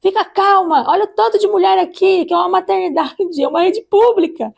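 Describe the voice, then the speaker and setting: A woman's voice: very high-pitched, fairly quick, vocal fry, darkish tone, voice pushed up, full character voice. A woman voicing a stern female maternity nurse who scolds firmly. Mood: scolding. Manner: firm, admonishing.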